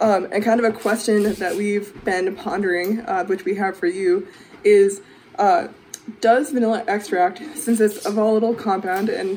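Noticeable background noise surrounds the recording. A woman with an American accent talks at medium pitch and a moderate pace. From Western Massachusetts, US. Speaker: listener asking question.

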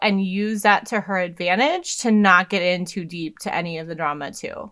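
In a very clean recording with a silent background, a woman speaks at a moderate pace. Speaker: podcast host. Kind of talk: casual gossip chat.

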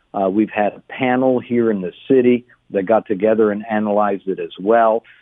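A man's plain, everyday voice at medium pitch, with fairly even intonation and a moderate pace

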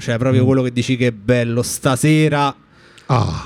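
A man in a Roman accent at a fairly slow pace. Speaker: podcast host. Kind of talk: casual interview.

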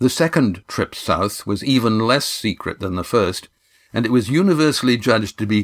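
Quiet surroundings and a natural reading voice

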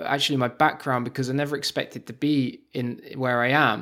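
Over a silent background on a very clean recording, a man with a British accent speaks at a medium pitch and a moderate pace with fairly even intonation. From London, England. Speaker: psychology professor and author. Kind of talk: interview conversation. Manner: halting, with many fillers.

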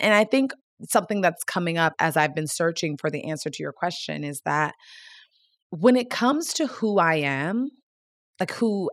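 A woman speaks with an American accent at a moderate pace, her pitch fairly low. It is an unremarkable speaking voice on a very clean recording with a silent background. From US, Washington DC area (Maryland). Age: 30s. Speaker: actress and podcast host. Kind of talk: interview conversation.

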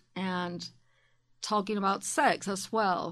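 A woman talks at a medium pitch with an Argentine accent. Her intonation stays fairly even against a quiet background. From Argentina. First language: Spanish. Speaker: host's mother. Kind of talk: casual chat. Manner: laughs often.

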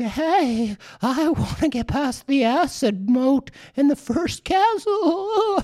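In a put-on character voice pitched extremely high, a man draws out his words very slowly.

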